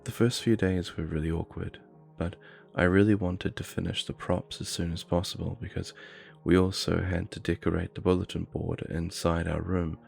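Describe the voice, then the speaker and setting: A man narrating a scripted horror story in a measured, low-key way. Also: flat delivery, vocal fry, a little mellow, soft background music.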